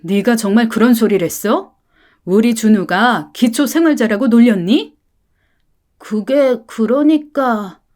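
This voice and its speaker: A woman voicing an angry, hot-tempered working-class husband who shouts and confronts. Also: on the high side, measured pace, natural voice. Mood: furious.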